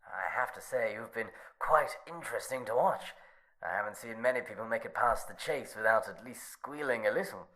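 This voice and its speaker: A man's voice: lowish voice, lively intonation, normal speed, pushed and bright, rough recording. An actor playing a suave, mocking male overseer of a hotel test, silky and teasing, slipping into whispers in a horror audio drama.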